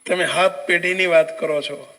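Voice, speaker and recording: A man voicing a calm, all-knowing old holy man in measured, softened tones during a religious story. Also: a little high, lightly acted, low-quality recording. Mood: preaching.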